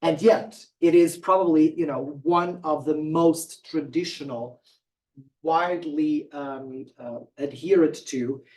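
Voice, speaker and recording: Man, audience question at a lecture, hesitant, searching for words, fairly high voice, distant from mic. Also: slow pace, darkish tone. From Portugal. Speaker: audience member asking the speaker a question. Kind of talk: question after an academic lecture. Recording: voice picked up from far off the mic.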